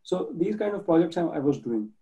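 A man from Pakistan talking earnestly about his nonprofit work as a guest on a video call, halting often with restarts and fillers. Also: fairly high pitch, very animated, dark tone, low-quality recording. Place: home in Germany.

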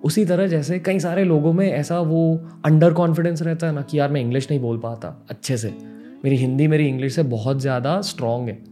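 Speaking with a mellow, slightly high voice, a young Mumbai podcast host recounts something from his own life. He sounds earnest and reflective and mixes English words into his speech.

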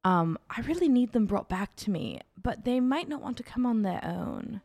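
A woman's voice: a little high, lively intonation, normal speed, vocal fry, darkish tone, no echo. A woman playing a honeyed, scheming flirt. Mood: coaxing. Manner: honeyed, coaxing, calls people darling.

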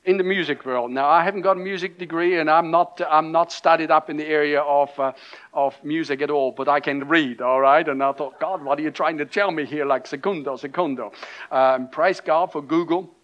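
A man's voice: fairly high pitch, a little fast, lo-fi sound. A middle-aged man from Austria with a German-accented English, preaching a conversational sermon with many fillers and restarts. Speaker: pastor.

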